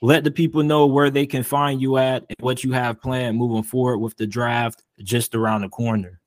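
A man's voice: mid-range voice, little pitch movement, normal speed, dry recording. A man hosting a sports podcast, chatting in a laid-back, slangy way. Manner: laid-back, slangy, says "you feel me". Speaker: podcast host. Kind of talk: casual podcast chat.

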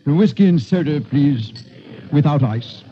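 A man doing a crisp young English gentleman. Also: a little high, animated, measured pace, soft background music, pitched above the performer's own voice. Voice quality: crisp, precise diction. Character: precise, cool young English gentleman, a boxer. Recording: muffled old radio broadcast.

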